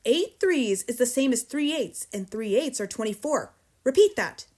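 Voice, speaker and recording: A huge, bullying headmistress from a storybook. She bellows with explosive temper, her voice pitched high and forceful, spitting out contempt at every phrase. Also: lively intonation, normal speed. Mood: commanding. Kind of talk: storybook character reading.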